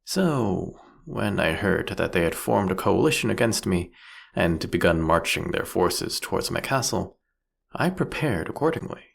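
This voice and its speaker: A man playing a captured vampire king in an audio roleplay, sardonic and silkily menacing, with a husky, gravelly voice and theatrical, taunting phrasing. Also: low-pitched, exaggerated voice. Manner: theatrical, mocking, drawn-out, teasing phrasing. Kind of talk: scripted audio roleplay monologue addressed to the listener.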